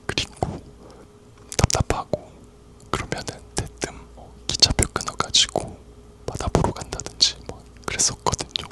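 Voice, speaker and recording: A person whispering a casual, rambling ASMR chat in a soft, unvoiced whisper. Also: a little slow. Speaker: ASMR video creator.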